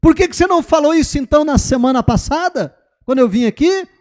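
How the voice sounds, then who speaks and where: An impatient middle-aged mother, pushy and quick to complain, as a male pastor puts her on. The voice sits high and strained above his own, with a mellow, dark tone. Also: close to an everyday voice. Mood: indignant. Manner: pleading then indignant, rapid complaints.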